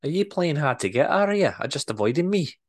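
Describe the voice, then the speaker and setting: A man voicing a bossy, predatory woman manager in a put-on Scottish accent, husky and murmuring. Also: on the high side, big pitch swings, a little fast, voice pushed up. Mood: pushy. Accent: attempted Scottish.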